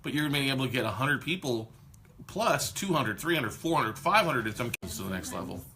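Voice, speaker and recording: A man hosting a casual live stream, talking in an energetic, motivational way with a loud voice. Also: mid-range voice, a little fast, a little hiss or hum. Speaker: host.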